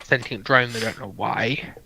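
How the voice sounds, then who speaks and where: A man on a panel casually explaining in a halting way, often rephrasing as he goes. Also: mid-range voice, steady tone, creaky, pushed and bright, low-quality recording. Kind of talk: casual explaining of fictional lore.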